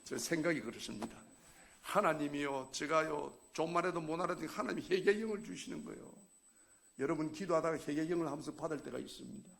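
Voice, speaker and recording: A middle-aged man, a church elder, giving an emotional testimony sermon that swings from hushed pleading to loud exhortation. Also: on the high side, fast talker, creaky.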